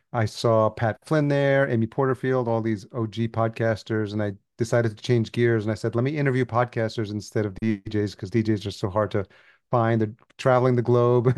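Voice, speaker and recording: A man's voice: mid-range voice, a little mellow, dry recording, clean studio sound. A man from El Salvador, a podcast agency founder, telling his story as a guest in a casual interview and laughing easily.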